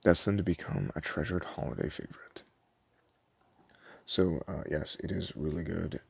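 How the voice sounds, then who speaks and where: A soft-spoken man doing a casual ASMR roleplay as a store clerk, chatting in a hesitant, rambling way. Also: deep voice, normal speed, creaky, breathy edge.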